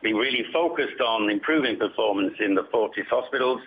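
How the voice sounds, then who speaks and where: Male executive, husky low voice, formal and hesitant, dull conference-call sound. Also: fairly quick. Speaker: company executive answering questions. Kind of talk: conference call question and answer. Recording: muffled conference call line.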